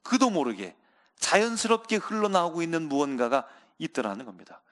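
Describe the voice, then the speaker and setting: A male pastor preaches a sermon earnestly, often calling out to the congregation and slowing down for emphasis. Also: a little high, sing-song, fairly bright tone.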